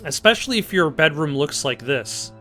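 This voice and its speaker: Higher-voiced man casually commenting on a game. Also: lively intonation, moderate pace, bright, forceful tone, soft background music. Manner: dry joking, musing aloud. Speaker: let's play host.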